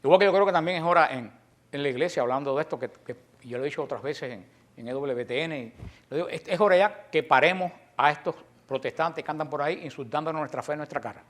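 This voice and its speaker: A man's voice: a little high, fast talker. A man with a Cuban accent preaching a combative sermon, full of rhetorical questions to his listeners. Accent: Cuban Spanish. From Cuba.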